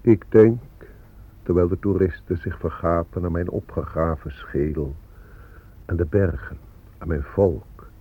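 A man's voice: low voice, breathy edge. An actor playing an ancient Native American man, a solemn and mournful spirit of the dead, in a radio drama monologue. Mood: solemn, wistful. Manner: solemn, measured, poetic. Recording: tinny, phone-like old radio recording.

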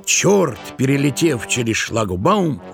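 A man narrating a literary tale as part of an audio drama, in an expressive, dramatic storytelling manner. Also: medium pitch, slow, gravelly, over music.

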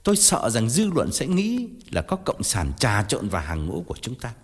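A man's voice: medium pitch, wildly swooping pitch, normal speed, slightly rough, big-room sound, heavily acted. A man voicing an indignant, pleading middle-aged man. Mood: solemn. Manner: insistent, pleading then angry.

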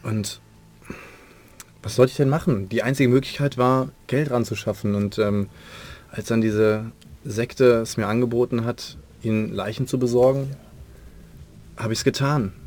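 A man's voice: mid-range voice, fairly even intonation, a little slow, pauses often, a little mellow, lightly acted. A man playing a nervous dentist on the run, who rambles hesitantly and protests his innocence. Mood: rambling. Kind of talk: in-character roleplay.

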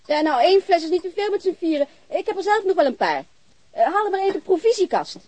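A woman's voice: extremely high pitch, big pitch swings, fast, a little mellow. An actress playing an outspoken, chatty middle-aged landlady in a naturalistic radio drama, talking bluntly and restarting her sentences. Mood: lively, hospitable. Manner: talkative, blunt, breaks off and restarts.

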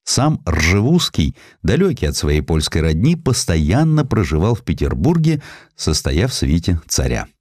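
A man narrating a historical literary audiobook in a measured, expressive, dramatic storytelling manner. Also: deep voice.

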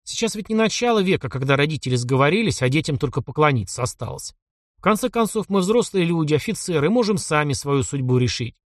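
A man's voice: on the high side, expressive, quick pace, dry recording, clean studio sound, close to an everyday voice. A man voicing a young male officer who grumbles wearily at his overbearing grandfather. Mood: exasperated grumbling. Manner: grumbling, weary complaints.

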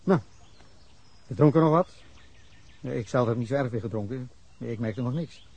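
A husky, indignant witness. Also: male voice, medium pitch, normal speed, darkish tone, lo-fi sound. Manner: indignant, rambling account with bursts of anger. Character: defensive middle-aged man telling police of a drunken brawl. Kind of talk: Dutch radio drama acting.

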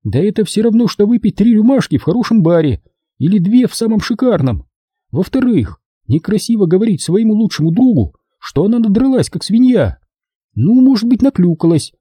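A man's voice: sits high, warm tone, husky, no room sound, clean studio sound, pitched above the performer's own voice, exaggerated voice. A man reading an audiobook, voicing a tipsy young woman who rambles indignantly through her points. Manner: drunken rambling, counting points.

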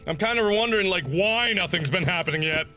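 Playing a horror game, a man delivers excitable let's-play commentary in a voice that sits high. He is jumpy and dramatic, swearing and swinging from hushed muttering to screaming.

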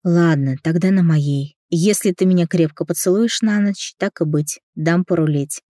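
A woman's voice: lowish voice, moderate pace, warm tone, dry recording, clean studio sound, close to an everyday voice. A woman voicing a sleepy, grumbling, affectionate young man in a storybook reading. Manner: drowsy, grumbly.

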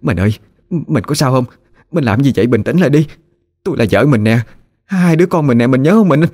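A man voicing a frantic village wife from the south, pleading with her husband in rapid, urgent questions. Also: mid-range voice, animated, darkish tone, voice pushed up, lightly acted.

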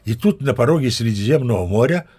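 A man's voice: medium pitch, expressive, quick pace, natural voice. An actor playing a boastful old sea captain, chatting to the listener as he spins tall tales in an audio play. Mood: boastful storytelling. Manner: chatty, self-satisfied storyteller addressing the listener. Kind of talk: audio play storytelling monologue.

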